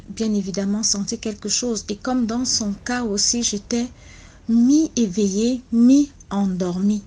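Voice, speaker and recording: A Cameroonian woman with a Cameroonian French accent, telling a personal story softly and hesitantly. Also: mid-range voice, husky. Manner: speaks softly and slowly, with many hesitations. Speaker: caller sharing a story. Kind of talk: personal testimony, slow and deliberate.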